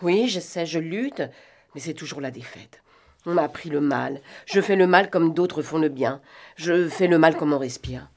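A weary, guilt-ridden young adventuress murmuring a confession, as a woman reading the novel voices her. Her very low voice drops softer still and sounds exhausted. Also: moderate pace. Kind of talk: audiobook reading.

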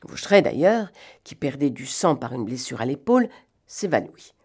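A woman giving an expressive, suspenseful reading of a novel. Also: a bass voice, moderate pace, husky. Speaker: reader. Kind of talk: dramatic literary reading.

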